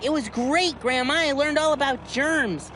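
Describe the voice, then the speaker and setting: A woman voicing a curious, cheerful young boy scientist in a children's cartoon, excitable and sing-song. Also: high voice, moderate pace, slight background noise. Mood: excited. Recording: studio voice with music bed.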